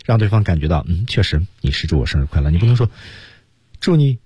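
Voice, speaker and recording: Male radio English teacher, low husky voice, lively pitch, dry studio. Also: very fast, no room sound. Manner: explains pronunciation, models English lines with big rising pitch.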